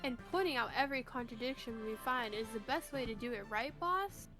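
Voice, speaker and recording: A woman's voice: a little high, expressive, a little fast, music in the background, lightly acted. A woman voicing an eager young female junior lawyer, a loyal assistant in a courtroom game.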